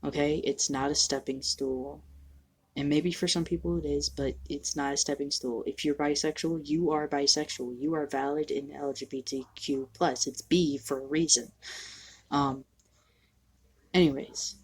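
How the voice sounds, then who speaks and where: A young trans man talking candidly to the camera in a casual home vlog, halting and self-deprecating, sniffly from allergies. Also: a little high, fairly even intonation, husky. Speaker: vlogger. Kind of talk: casual personal vlog monologue.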